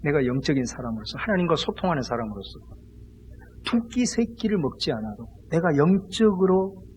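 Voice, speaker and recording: A male pastor preaching a sermon, emphatic, leading the congregation in repeating lines after him, swinging between loud exclamations and hushed asides. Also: fairly high pitch, sing-song, fairly quick, long reverb tail, slight background noise. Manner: emphatic preaching, leads the congregation in call-and-response repetition.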